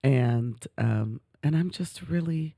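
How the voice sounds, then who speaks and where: A woman's voice: very deep voice, slow, warm tone, no room sound, studio quality. A middle-aged woman co-hosting a talk show, chatting casually in an emphatic, effusive way and drawing out words for stress. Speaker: podcast co-host. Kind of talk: casual chat.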